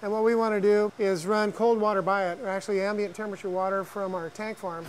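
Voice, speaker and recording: An American man working as brewery staff explains things in an unscripted, practical way while leading a walking tour around an industrial brewery, much of it outdoors. His voice sits high with fairly even intonation, he talks fast, and the recording quality is low.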